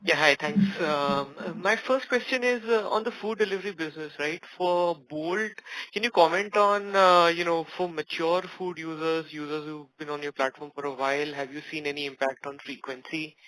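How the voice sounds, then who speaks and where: A man asking questions as a financial analyst on an earnings call, with halting starts. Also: a little high, steady tone, sharp tone, rough recording.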